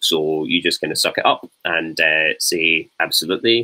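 A man with an Edinburgh accent. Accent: Scottish (Edinburgh). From Scotland, Edinburgh; Scotland. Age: 30s. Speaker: chef; interview guest. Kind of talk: casual interview chat. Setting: video call. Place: home room.

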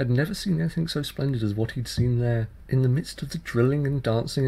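An unforced reading voice, its pitch rising and falling in a normal way

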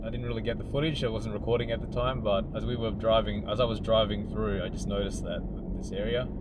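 A man speaks over loud background noise. The sound is dry, with no echo. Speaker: property-hunting vlogger. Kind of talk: casual vlog commentary. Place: car.

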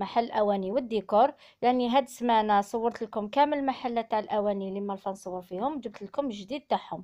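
A woman with a dark, mellow tone speaks at a very fast pace with hardly any pauses. Her pitch variation is ordinary, and the background is quiet. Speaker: vlogger touring a shop. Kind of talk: casual vlog chat. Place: shop. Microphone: phone near.

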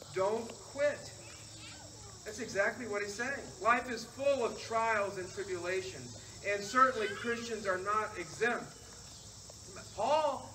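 An American man speaks fairly slowly in a raised, projected voice with lively intonation over light background noise. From US South. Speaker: pastor. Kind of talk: sermon. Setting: outdoor church service. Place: garden. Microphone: camera far.

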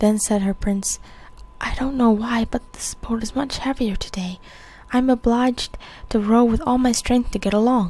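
At a moderate pace, the voice is soft-spoken. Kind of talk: read fairy tale.

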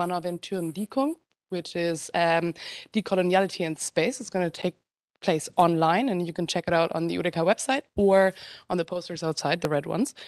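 A woman speaks at a fairly low pitch with ordinary pitch variation, in a dry sound with no echo. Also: quiet background. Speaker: event moderator. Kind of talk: announcement. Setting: stage with audience. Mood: relaxed, friendly. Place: hall. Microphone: handheld.

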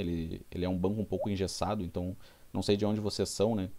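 A man's dark, mellow tone at a fairly low pitch, with monotone, flat intonation. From Brazil, Rio Grande do Sul. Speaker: investment YouTuber. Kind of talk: casual stock analysis commentary. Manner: hesitant, many fillers. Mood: calm, opinionated. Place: home room.

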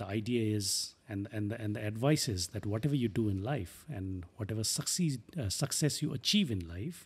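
Somewhat breathy speech at a moderate pace with lively intonation. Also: man. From India. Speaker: bartender and hotelier; podcast guest. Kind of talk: casual interview. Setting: studio. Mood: warm, reflective. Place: studio. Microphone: studio mic.

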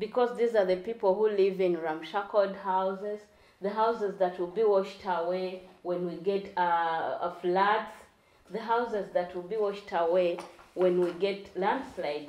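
The speaker has a Ugandan accent and a moderate pace. The intonation is fairly even, and room echo can be heard. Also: woman. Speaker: politician and women's rights activist. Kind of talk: panel discussion. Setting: stage with audience. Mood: earnest, concerned. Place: meeting room.

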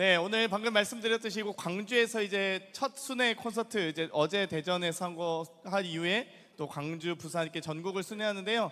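Projecting his raised voice in a bright, sharp tone, a man speaks high-pitched at a moderate pace with ordinary pitch variation. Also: hardly any pauses. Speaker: politician, co-MC. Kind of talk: talk concert. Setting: stage with audience. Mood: cheerful, smiling. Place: hall. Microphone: handheld.

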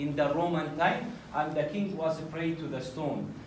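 Room echo is audible around this man as he talks, with light noise in the background. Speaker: tour guide. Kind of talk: guided tour explanation. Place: tunnel cave. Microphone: phone near.

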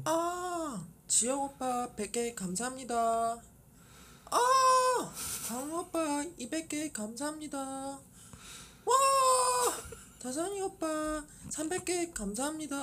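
The pace here is very slow. It is delivered in a put-on character voice. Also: female-sounding voice, high pitch for a woman. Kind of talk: thanking donors by name. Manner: mechanical, robotic.

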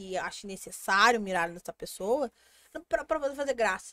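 Her pitch rises and falls very widely. The woman keeps to a fairly slow pace. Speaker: comedian. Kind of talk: casual chat about comedy and religion, podcast interview. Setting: podcast studio. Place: studio. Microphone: studio mic.

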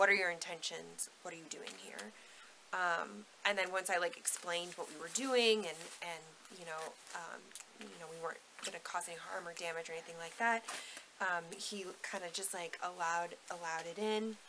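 Against noticeable background noise, a woman with a fairly low pitch speaks at a moderate pace, her loudness swinging widely. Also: ordinary pitch variation. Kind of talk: casual vlog chat. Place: tunnel cave. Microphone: camera far.

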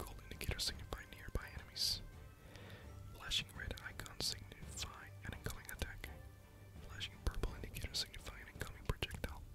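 A man whispers at a fairly quick pace over clear background music. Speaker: ASMR gaming host. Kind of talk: whispered gameplay commentary. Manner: whispered, soft.

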